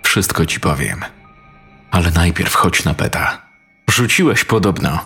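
Coarse conspiratorial buddy, man's own low voice, unhurried. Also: animated, pushed and bright, husky, soft background music, full character voice. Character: young man, scheming old school friend.

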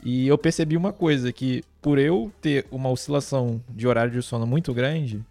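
A man's voice: medium pitch, a little fast, gravelly, dark tone, dry recording, soft background music. A man in a casual chat, telling a story. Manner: easygoing, storytelling.

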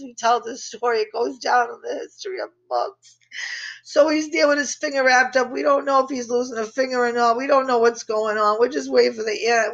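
A woman's voice: fairly high pitch, vocal fry, highs cut off. A woman hosting a podcast, telling a family story in a brash, profane way and laughing at her own jokes. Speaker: podcast host. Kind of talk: casual storytelling.

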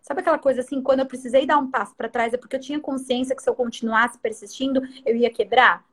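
A woman's voice: high voice, fast, breathy edge. A middle-aged woman who owns a salon, chatting as an interview guest and animatedly acting out the lines of the people in her stories. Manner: animated storyteller who acts out others' lines. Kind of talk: casual storytelling chat.

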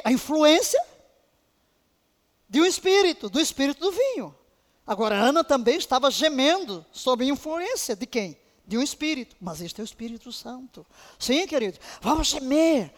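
A woman Bible teacher giving a fervent, emotional lesson on intercession, now and then breaking into soft laughs. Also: high-pitched. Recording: long hall reverb.

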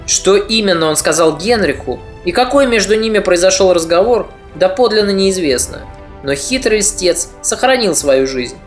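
A woman narrating a history podcast in a measured, reflective storytelling manner. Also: medium pitch, animated, soft background music.

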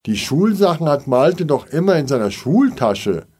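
An impatient, probing mother, voiced by a male storyteller a little higher than his own voice. She presses with pointed questions in a storybook scene. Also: very animated, moderate pace, warm tone, breathy edge.

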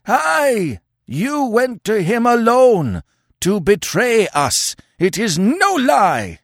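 A man's voice: high-pitched, very animated, slow, creaky, no echo, clean studio sound, pitched above the performer's own voice, full character voice. A man voicing a gaunt old tribal chief in a storybook, howling furious accusations. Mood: furious, accusing. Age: older.

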